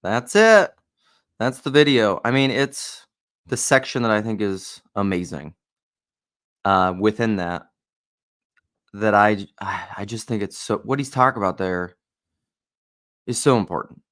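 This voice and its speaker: A man's voice: lowish voice, measured pace, pauses often, fairly bright tone. A man giving casual video commentary and reading aloud, rambling and jumping between ideas.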